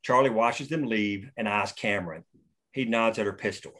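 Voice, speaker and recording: A man reads a screenplay's action lines aloud at a table read, steady and matter-of-fact. His voice sits somewhat low. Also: moderate pace. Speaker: stage direction reader.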